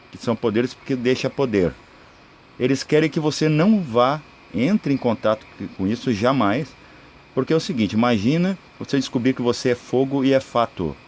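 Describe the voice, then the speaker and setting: A man's voice: medium pitch, darkish tone. Brazilian man teaching informally over background noise. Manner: rambling explanatory delivery with checking tags. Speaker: spiritual video creator. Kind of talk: informal spoken esoteric teaching.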